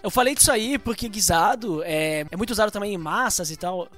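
A man with a Serra Gaúcha accent from southern Brazil talks in a high, light voice. He explains things in an animated way and piles on examples. It is a relaxed, casual chat. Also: a little fast, soft background music. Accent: Rio Grande do Sul (Serra Gaúcha). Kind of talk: casual chat about regional slang.

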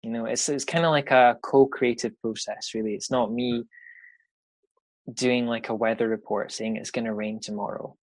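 A man with a Scottish accent, a card reader talking casually in an interview, relaxed and rambling with lots of fillers. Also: mid-range voice, normal speed, dry recording, low-quality recording. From Scotland. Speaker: intuitive card reader, guest.

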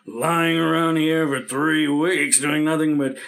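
A jovial middle-aged office colleague in an old radio drama. His voice is gravelly and bright, pitched a little high. He drawls slowly and chuckles between lines. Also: fairly even intonation. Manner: jovial, slow-talking, chuckling. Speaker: visiting co-worker. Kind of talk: 1950s radio acting.

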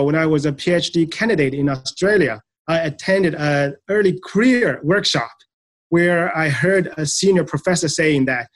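Soil scientist man from Eastern China. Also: on the high side. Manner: measured, explanatory, frequent fillers. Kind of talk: interview answers.

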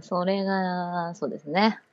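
A woman's voice: fairly low pitch, steady tone, unhurried, no echo, dull audio. A woman co-hosting a casual chat, telling a story in an easygoing way and laughing often. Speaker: podcast co-host.

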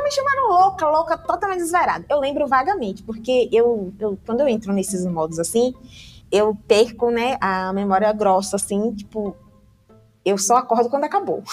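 Casting: young Bahian woman, high and expressive, lively storyteller, faint music underneath. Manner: animated, acts out quoted voices with big pitch jumps. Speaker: interview guest. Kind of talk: emotional personal storytelling.

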